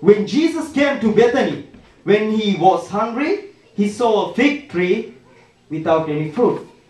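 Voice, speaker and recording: Amid audible room echo, a man speaks at a very slow pace with very wide pitch swings. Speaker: preacher. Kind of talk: sermon. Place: church.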